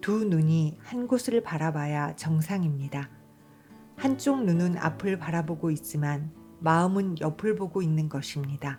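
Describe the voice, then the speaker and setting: A woman speaks fairly slowly at a very deep, low pitch with lively intonation. Music plays in the background. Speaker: audiobook reader. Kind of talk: book reading narration. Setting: rural home vlog with voice-over.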